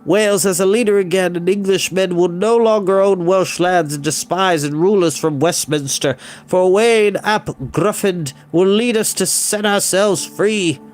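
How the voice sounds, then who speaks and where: A man voicing a frail old male bard with a soft, lisping voice and a lilting, passionate way of speaking. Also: high voice, fairly even intonation, normal speed, voice pushed up, natural voice.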